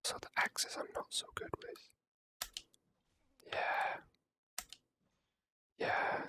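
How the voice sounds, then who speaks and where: Whispering ASMR gamer. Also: drawn-out words. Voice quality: soft unvoiced whisper. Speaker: gaming video creator. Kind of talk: ASMR whispered game commentary.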